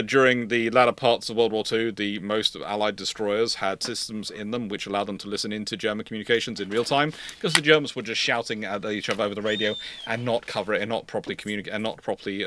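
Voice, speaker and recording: Speaking at a quick pace in a lowish, fairly bright voice with fairly even intonation, the naval history livestream host and consultant takes questions. He repeats himself hesitantly and restates things with emphasis.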